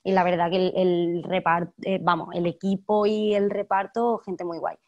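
A woman in her twenties with an Andalusian accent, chatting lively as an actress in an interview, laughing often. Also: on the low side, moderate pace, lo-fi sound. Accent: Andalusian Spanish. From Andalusia, Spain. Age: 20s. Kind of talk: casual interview chat.

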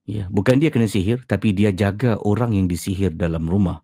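A man's voice: lowish voice, a little fast, dark tone, slightly rough, no room sound, studio quality. A Malaysian man hosting a casual livestream, speaking with a slight slurred lisp from a sore, ulcerated tongue. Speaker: podcast and livestream host. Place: at home.

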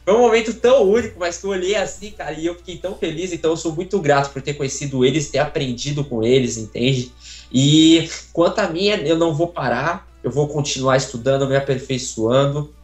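A man's voice: a little high, brisk, a little mellow, echoey room, soft background music. A young man from Brazil talking casually on a video call from a small room at home, grateful and rambling with many fillers and restarts. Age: young adult. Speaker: interviewee, voice acting contestant. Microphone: phone camera, video call.

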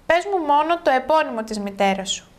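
A woman's voice: sits high, animated. A woman reading as a curious friendly director. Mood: amused.

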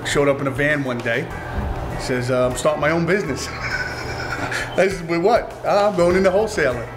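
Chatty guy in his 40s cracking jokes about his biz partner, slightly high voice, music under. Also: normal speed. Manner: chatty, joking storyteller. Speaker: co-owner of a market and restaurant. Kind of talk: casual testimonial interview. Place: restaurant dining room, indoors.

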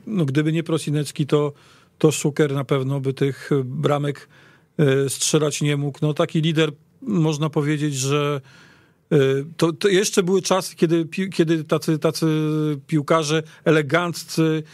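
A man's voice: fairly high pitch, little pitch movement, unhurried, darkish tone, no echo. A man as a panel guest in a casual sports discussion, hesitant and repeating words as he goes. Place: radio studio.

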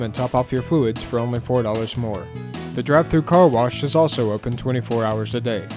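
Young male, radio announcer, scripted commercial narration, mid pitch, music bed. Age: young adult. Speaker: media student and radio announcer.

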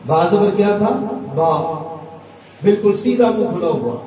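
A man's voice: high-pitched, expressive, warm tone, highs cut off. A man teaching a recitation lesson, patiently chanting each sound as he explains it. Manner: slow, patient, demonstrates sounds by chanting them. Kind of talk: tajweed lesson. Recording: roomy hall echo, distant mic, faint noise.

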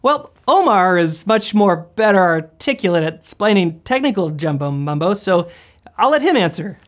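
A man's voice: high-pitched, sing-song, moderate pace. An American man in his thirties presenting a scripted comedic explainer in a goofy, playful manner. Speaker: host. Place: indoor green-screen studio.

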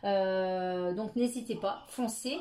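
A woman's voice: medium pitch, slow, dark tone, reverberant, slight background noise. A middle-aged woman, chatting casually through a product haul, hesitating often as she lists prices. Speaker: beauty vlogger.

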